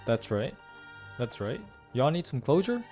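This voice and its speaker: A man's voice: mid-range voice, big pitch swings, a little slow, a little mellow, faint music behind. A man giving casual, musing playthrough commentary and analysis, repeating phrases for emphasis. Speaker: gaming streamer reacting to a story quest.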